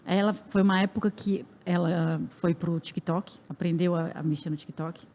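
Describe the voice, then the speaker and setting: A woman hosting a podcast interview, telling a family story in a lively way with frequent laughter. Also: lowish voice, normal speed, a little hiss or hum. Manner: animated, laughs often, speeds up when excited. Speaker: podcast host.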